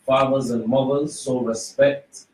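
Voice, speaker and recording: Guy guest on radio talk show, really slow and earnest, echoey room, slight noise behind. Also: medium pitch, fairly even intonation, darkish tone. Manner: deliberate, earnest, listing in short phrases. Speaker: studio guest, community ambassador. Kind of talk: measured radio interview answer. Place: small radio studio. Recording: roomy, distant, noisy studio pickup.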